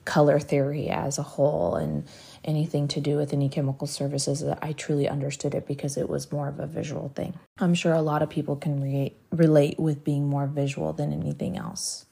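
A woman's voice: low-pitched, creaky, warm tone, husky. A woman in her thirties, a podcast host whose first language is Portuguese, speaking candidly and emotionally about her life. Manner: candid, emotional, occasionally laughing at herself. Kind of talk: personal reflective monologue.

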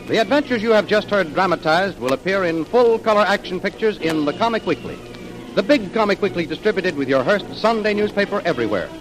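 A man's voice: sits high, rough recording. Polished 1930s radio announcer man. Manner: polished, promotional. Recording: 1930s radio recording with music.

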